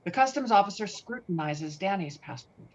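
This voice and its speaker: A woman's voice: mid-range voice, expressive, moderate pace. A woman narrating stage directions from a film script at a virtual table read. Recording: dull, lo-fi video-call audio.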